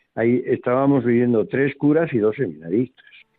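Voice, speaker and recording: With music in the background, a man speaks at a moderate pace, his medium pitch showing ordinary variation. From Spain, Colmenar (Madrid region). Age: 70s. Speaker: retired parish priest. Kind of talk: interview. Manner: halting, many fillers and repetitions.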